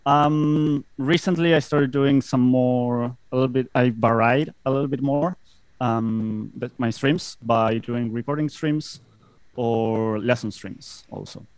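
A man talking as a podcast guest, soft-spoken and hesitant, often stumbling over his words. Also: medium pitch, fairly even intonation, measured pace, clean tone, dry recording. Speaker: guest, Twitch guitarist. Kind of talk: casual podcast interview.

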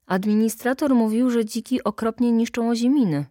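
A woman's voice: on the high side, brisk, dark tone, dry recording, studio quality, pitched above the performer's own voice, close to an everyday voice. A woman reading a story aloud and voicing a hesitant male delegate from out of town who speaks in a raised voice. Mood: eager.

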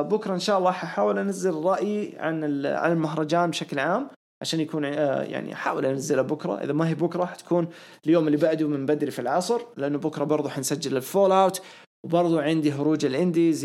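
A hoarse man, hosting a casual podcast and sharing rambling, excitable opinions. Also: a little high, rapid-fire. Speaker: podcast host. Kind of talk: casual wrestling podcast chat.

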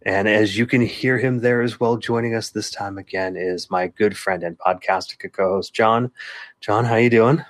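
A man hosts a casual podcast with a calm, soothing radio-style delivery. His voice sits a little low, and the recording is dry and close. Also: normal speed, dry recording. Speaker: podcast host.

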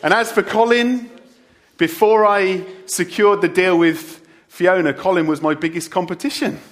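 A man's voice: high voice, steady tone, moderate pace, fairly bright tone. A middle-aged man preaching a farewell sermon as a church leader, with joking asides to the congregation. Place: church service.

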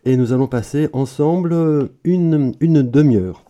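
Brief: German-accented male radio host, very dark mellow tone, polite and formal. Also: on the high side, a little slow, muffled recording. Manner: friendly, formal greetings with occasional stumbles. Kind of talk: radio interview.

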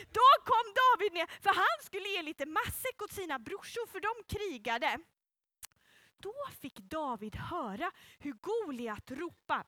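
A woman telling a Bible story to children in a playful, animated way and bringing up child volunteers. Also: very high-pitched, dry recording. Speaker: children's church leader.

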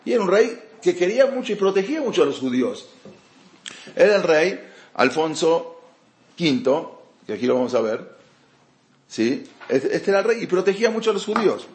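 A man's voice: high-pitched, big pitch swings, normal speed, darkish tone. A man teaching Jewish history in an informal lecture, telling stories conversationally with many fillers and restarts. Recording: echoey room.

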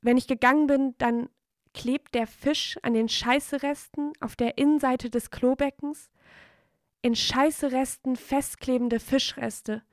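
An actress plays a distraught, mocking woman in a radio drama. Her voice is high and her delivery slow and theatrical, with bitter reproach in a dry recording. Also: steady tone, dry recording. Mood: bitter, reproachful. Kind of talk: experimental radio play acting.

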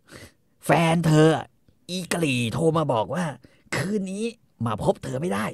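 A man's voice: fairly high pitch, wildly swooping pitch, a little slow, bright, forceful tone, no room sound, studio quality, pitched above the performer's own voice, heavily acted. A man voicing a furious pregnant young wife who shrieks crude insults. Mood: hysterical.

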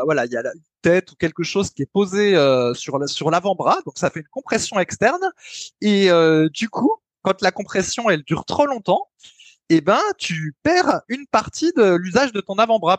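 High-voiced chatty podcast man. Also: big pitch swings, normal speed, dry recording. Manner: chatty, explains with hesitant fillers. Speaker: podcast co-host. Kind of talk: casual podcast chat.

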